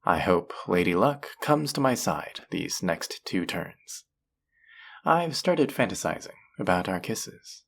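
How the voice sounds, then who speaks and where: Husky, creaky, teasing demon dealer played by a woman. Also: a bass voice, sing-song, heavily acted. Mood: playfully taunting. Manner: slow, teasing, flirtatious, taunting. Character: teasing, possessive demon casino dealer of the underworld. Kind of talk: flirty roleplay audio drama, intimate one-on-one.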